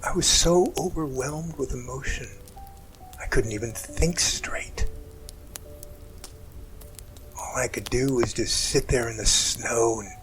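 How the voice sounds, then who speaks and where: A man acting in an amateur audio drama as an emotional man haltingly recounting a rescue that overwhelmed him. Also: mid-range voice, fairly bright tone, lightly acted. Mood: tearful, moved.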